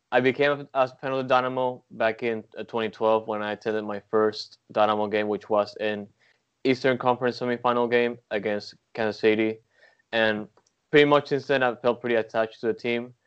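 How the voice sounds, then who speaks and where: A man's voice: medium pitch, clean tone, highs cut off. A young man from Venezuela, a guest on a soccer podcast, speaking easily with lots of "like" and "uh". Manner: easygoing, many "like" and "uh" fillers. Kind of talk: casual interview.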